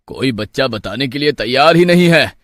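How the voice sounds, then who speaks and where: A man voicing an older village headman in an animated story, calm, fatherly and reasoning. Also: mid-range voice, normal speed, no echo, lightly acted. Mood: concerned.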